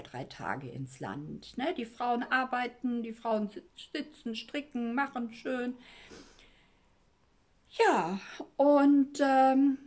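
Woman storyteller, casual, rambling, lots of fillers and restarts, chatty asides, knitting host. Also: medium pitch.

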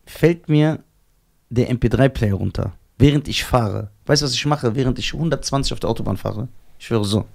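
Young german guy, raspy fry in his voice, chatty podcast storyteller, does all the voices and laughs at himself. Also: mid-range voice, moderate pace, darkish tone. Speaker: podcast co-host. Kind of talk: casual storytelling chat.

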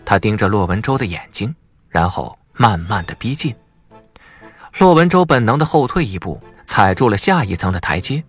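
A man narrating an audiobook novel in an expressive, scripted storytelling style. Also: lowish voice, normal speed, husky, soft background music.

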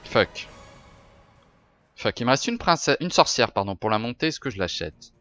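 A man streaming a card-pack opening, chatting casually with his viewers, swearing and getting excited. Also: medium pitch, moderate pace, lo-fi sound, soft background music. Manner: excitable, swears, talks to chat. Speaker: gaming streamer. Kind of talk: casual game commentary.

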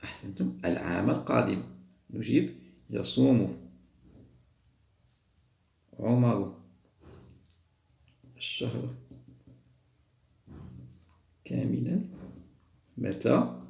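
A man teaching a primary school Arabic lesson, patiently repeating words slowly for young pupils. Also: on the low side, gravelly, mellow, echoey room. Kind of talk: explaining a second-grade Arabic test.

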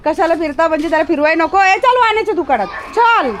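High-voiced woman coaxing her dog. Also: expressive, fast talker, a bit bright. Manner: coaxing, repetitive, sing-song. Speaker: vlogger talking to her pet dog. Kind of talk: casual coaxing talk to a dog.

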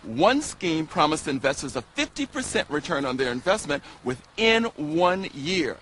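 Giggly male presenter with wildly swooping pitch. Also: sing-song, moderate pace, a bit bright. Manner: breaking into giggles and apologising. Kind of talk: scripted presenting to camera, with retakes. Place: outdoors in an open field. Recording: faint outdoor ambient noise.

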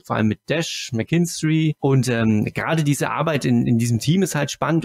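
A man's voice: mid-range voice, darkish tone, dry recording, clean studio sound. A man co-hosting a podcast, giving a casual, conversational review with little tag questions. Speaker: podcast co-host reviewing audio dramas.

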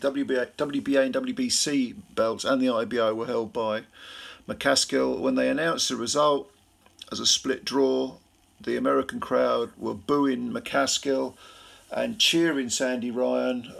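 Tired gravelly man recapping a fight. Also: mid-range voice, steady tone, unhurried. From Britain. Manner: rambling with many fillers and restarts. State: tired, late at night. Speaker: boxing commentator.

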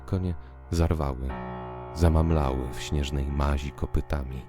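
Male narrator, low register, unhurried theatrical storytelling over a music bed. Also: fairly even intonation. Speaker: audiobook narrator. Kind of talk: dramatic literary narration for an audio drama. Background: piano and musical accompaniment.

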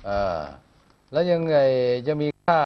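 A man's voice: measured pace, highs cut off. A man co-hosting a news talk show, chatting colloquially and prodding with questions. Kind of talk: conversational news commentary.

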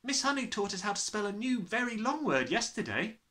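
A man voicing a brave, cheeky, bright little schoolboy in a storybook, matter-of-fact and plucky. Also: high-pitched, sing-song, brisk, voice pushed up, exaggerated voice.

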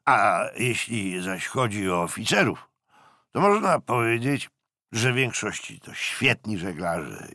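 A man acts out a tipsy veteran naval lieutenant from a sea novel. His voice is husky and gravelly, leaping widely in pitch. He rambles cautiously through his gossip, grumbling and hesitating as he goes. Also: sharp tone, no echo, studio quality, exaggerated voice. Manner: hesitant, rambling, with trailing interjections.

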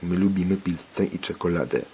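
A man's voice: low-pitched, fairly quick, mellow, lo-fi sound, a little hiss or hum, natural voice. A man voicing a polite little girl who answers earnestly.

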